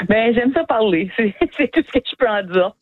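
A woman's voice: fairly high pitch, lively intonation, unhurried, no echo. A woman comedian with an Acadian French accent, chatting as a guest in a radio interview, laughing easily and restarting her words. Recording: tinny phone line, dry.

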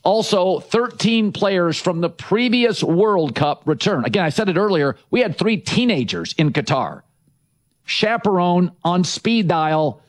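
A man's voice: high-pitched, lively intonation, a little slow. A middle-aged man hosting a sports talk show, giving brash, emphatic opinions in short punchy sentences.

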